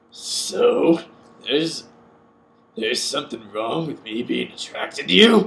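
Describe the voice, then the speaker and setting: In a raspy, put-on character voice at a fairly high pitch, a man speaks at a fairly slow pace with long, frequent pauses. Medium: read story. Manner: eager, pushy.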